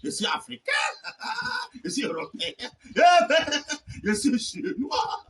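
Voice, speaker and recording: A man preaching a fervent sermon, often shouting and repeating refrains between phrases. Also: extremely high pitch, huge pitch swings, slow pace, recorded from a distance, a little hiss or hum. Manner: shouting, repeating "eh ben" and "amen".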